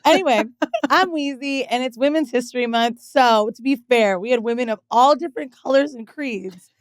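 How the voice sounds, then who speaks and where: A woman co-hosting a podcast, playful and chatty, asking the guest questions with quick asides. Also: on the high side, dry recording, rough recording. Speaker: podcast co-host. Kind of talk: casual podcast banter.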